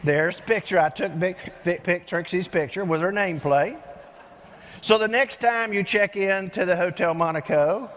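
An older man giving an energetic keynote speech on a large conference stage, telling stories with lively gestures through a headset mic. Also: high voice, normal speed. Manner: animated storyteller with lively gestures. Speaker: keynote speaker. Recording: long hall reverb from arena.

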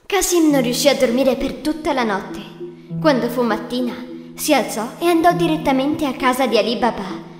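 A woman narrates a scripted fairy tale in a high voice with lively intonation and a moderate pace. Music plays behind her, and the recording has an echoey, hall-like reverb.

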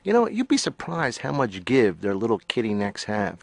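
Brash rambling patient, gravelly, dead-dry recording, cartoon. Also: male voice, mid-range voice, huge pitch swings, normal speed, dry recording, heavily acted. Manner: loud, jokey, rambling. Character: brash rambling male patient, cocky and defensive. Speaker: therapy patient. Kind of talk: stand-up style rant.

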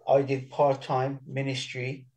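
Iranian-born man in his 60s, mellow. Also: mid-range voice, completely flat delivery. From Iran. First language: Persian and Armenian. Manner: earnest, halting, with many restarts. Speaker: guest. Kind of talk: casual interview.

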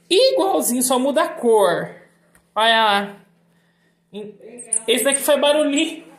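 A woman's voice: medium pitch, roomy sound. A woman casually vlogging at home, cooing at her pets in baby talk.

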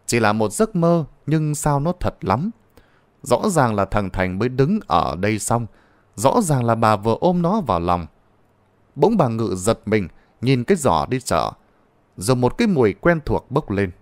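A man's voice: medium pitch, sing-song, a little slow, dry recording. A man narrating a ghost story in a dramatic, suspenseful manner.

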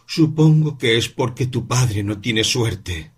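A man voicing a bitter, weary mother in an audiobook reading, answering slowly and with resentment. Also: mid-range voice, expressive, slightly rough, voice pushed up. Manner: slow, bitter, measured replies.

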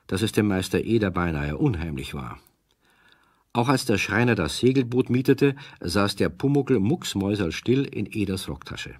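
A man with a husky voice, narrating a scripted children's story. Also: low-pitched, no echo, studio quality.

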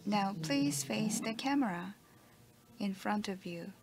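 Female interpreter, slow and halting, relaying stage directions at a ceremony. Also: mid-range voice, expressive, a little mellow. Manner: hesitant, slow, with fillers and restarts. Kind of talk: live interpretation of event announcements.

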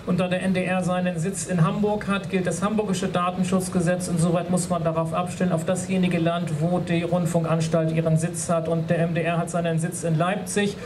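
A man's voice: sits high, monotone, fairly quick, few pauses, noisy background. A man explaining legal points formally to an audience at an outdoor rally, speaking into a handheld microphone. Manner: formal, lawyerly, with hesitant fillers. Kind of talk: explaining law at a public rally. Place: outdoor stage at a street rally. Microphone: handheld mic through PA. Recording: outdoor PA with crowd around.

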